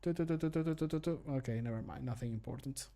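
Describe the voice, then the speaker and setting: This man in his thirties talks fast in a medium-pitched, dark-toned voice. He's a streamer recording mod voice lines in a room at home, chatting casually on a livestream with jokey, self-deprecating humor and plenty of swearing.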